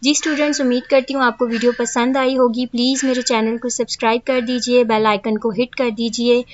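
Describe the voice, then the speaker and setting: A woman teacher with a Pakistani accent leading an exam revision lesson. She reads each question slowly, then explains it patiently. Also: on the high side, flat delivery, a little hiss or hum. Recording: dull lo-fi recording, dry.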